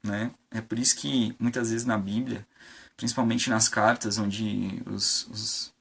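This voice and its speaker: A man's voice: lowish voice, level tone, unhurried, gravelly, fairly bright tone, breathy edge. A man preaching an informal sermon on a live stream, conversational, with many fillers and rhetorical questions.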